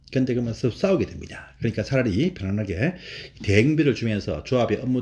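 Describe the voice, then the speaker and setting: A man with a dark, mellow tone, lively intonation and a fairly quick pace. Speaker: professor teaching exam-prep law course. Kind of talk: lecture. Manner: halting, frequent fillers and restarts.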